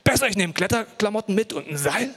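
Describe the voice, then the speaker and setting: A man's voice: sits high, animated, quick pace, a bit bright, voice pushed up. A man voicing a young man who jokingly frets he will fall down a well, in a wry, self-talking tone. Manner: jokey, wry self-talk.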